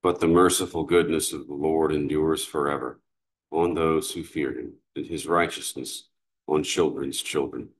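A man leading morning prayer as a priest, reciting psalms, canticles and the creed in a measured, steady way, recorded from a distance in a large cathedral. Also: extremely low pitch. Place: large cathedral sanctuary, indoors. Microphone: far camera. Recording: echoey cathedral room sound.

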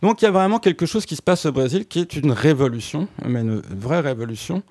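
A man speaking as a radio guest, explaining music history in a halting way, with frequent restarts and fillers. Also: on the high side, animated, a little mellow, no echo. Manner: hesitant, many restarts and fillers.

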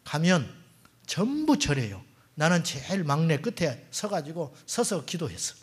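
A middle-aged man, the pastor, preaching a sermon in a church and swinging between loud exclamations and hushed whispers. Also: on the high side, very animated, measured pace, husky. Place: church sanctuary.

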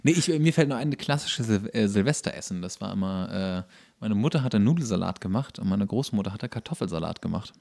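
A man co-hosting a podcast, chatting casually and comically in a halting, colloquial way. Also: lowish voice, lively intonation, gravelly, a little mellow. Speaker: podcast co-host. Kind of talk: casual comedic chat.

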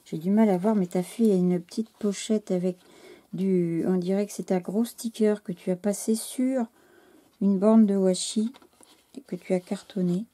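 This scrapbooking channel host, a French woman, talks effusively and informally to the camera, pausing and searching for words as hoarseness creeps in. Her pitch is medium, her intonation fairly even, and her tone warm.

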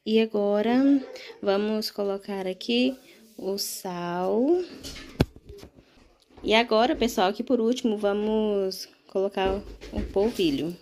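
A woman's voice: medium pitch, takes it slowly, a little mellow, a little hiss or hum. Chatty Brazilian woman sharing a recipe. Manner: chatty, informal, often checking in with listeners. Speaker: home cooking vlogger. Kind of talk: casual recipe narration.

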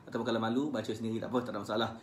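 A man with a Malaysian Malay accent teaching Quran recitation on a live stream. He chants verses slowly, then corrects pronunciation in quick, casual asides. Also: lowish voice, level tone, roomy sound, slight background noise. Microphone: phone live stream.

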